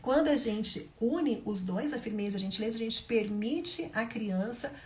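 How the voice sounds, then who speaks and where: A woman with a Brazilian Portuguese accent speaks in a slightly high, lively voice at a normal pace. She is a mother giving parenting advice directly to the camera, emphatic and repeating her main points.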